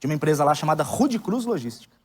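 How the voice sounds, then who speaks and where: A male preacher with a Brazilian Portuguese accent tells stories with humor, moving between loud preaching and soft asides. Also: a little high, very fast, slightly rough. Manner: animated, humorous storytelling. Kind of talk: sermon. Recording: long reverb of a hall.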